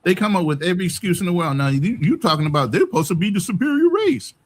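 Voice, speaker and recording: A man's voice: high-pitched, big pitch swings, fast talker. A man co-hosting a casual talk show, speaking in an emphatic, preachy way.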